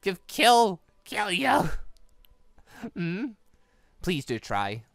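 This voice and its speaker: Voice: mid-range voice, huge pitch swings, very slow, creaky, dry recording, studio quality, heavily acted. A gaming host voicing a coldly threatening villainous woman from a visual novel game. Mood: menacing, taunting.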